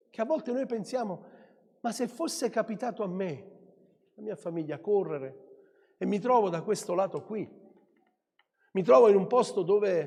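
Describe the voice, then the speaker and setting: At a moderate pace with long, frequent pauses, a man with a high pitch uses lively intonation and an animated tone. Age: 60s. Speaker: pastor. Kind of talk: sermon.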